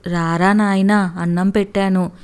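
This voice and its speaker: A woman voicing a caring older mother who calls her son in a gentle, coaxing way, in a read-aloud story. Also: medium pitch, little pitch movement, unhurried, clear, resonant tone, natural voice.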